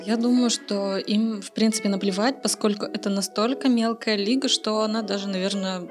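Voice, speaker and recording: A woman's voice: mid-range voice, fairly even intonation, fairly quick. A woman answering interview questions as a guest, an esports community manager. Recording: music under the talk. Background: music.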